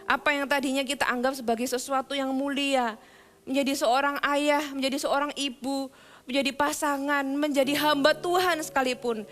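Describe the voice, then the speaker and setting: A woman's voice: high-pitched, fairly even intonation, normal speed, fairly bright tone. A woman pastor preaching a sermon in an earnest, conversational way, speaking straight to her listeners.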